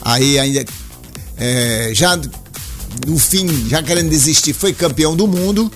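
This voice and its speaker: Faint music plays behind this radio sports and call-in host, a man with a fairly high voice who talks a little slowly. He chats loosely about football and takes listener calls, lilting and tagging his sentences with a questioning "né?".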